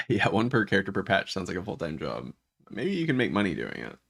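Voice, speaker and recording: A man's voice: low-pitched, huge pitch swings, a little fast, vocal fry, a bit bright, husky. A man who is a gaming YouTuber, casually thinking aloud as he ranks game cards, his voice worn from illness and his speech full of restarts. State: voice worn from illness, occasional coughs. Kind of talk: casual commentary while ranking game cards.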